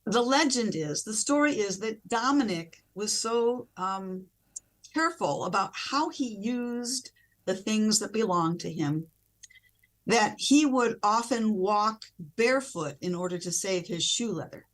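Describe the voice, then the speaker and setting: A woman religious sister, a guest on a video call, explaining her community in a measured way. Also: medium pitch, expressive, rough recording. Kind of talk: explanatory interview answers.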